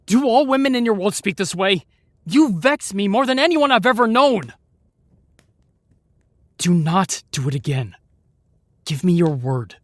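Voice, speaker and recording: A man's voice: very high voice, a bit bright, dry recording, exaggerated voice. Man acting an earnest, exasperated fantasy knight. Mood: vexed. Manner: formal, earnest, scolding. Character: protective, exasperated young male knight guarding a lady. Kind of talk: fantasy audio roleplay acting.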